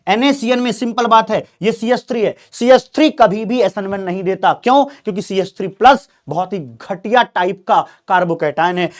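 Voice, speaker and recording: A man teaching chemistry in an exam-prep lecture, animated, prodding students with questions and speaking for the molecules in first person. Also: sits high. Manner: acts out molecules in quoted first-person voices.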